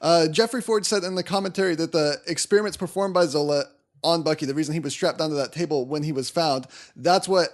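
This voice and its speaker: A man's voice: on the high side, fast talker. A man co-hosting a podcast, recapping a film in a casual, enthusiastic fan's way. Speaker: podcast host.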